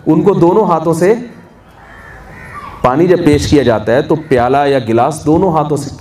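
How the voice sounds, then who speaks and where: A man preaches in a conversational way, throwing questions to his listeners and answering them himself. His voice sits a little high but sounds mellow. He is picked up from a distance in a large echoey hall, with a faint hiss of noise underneath. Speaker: religious scholar. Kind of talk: sermon to a gathering.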